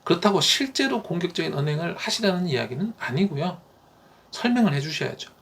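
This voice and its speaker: A man who teaches elementary school gives parents calm, explanatory advice, with frequent "uh" fillers. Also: high voice, a little fast.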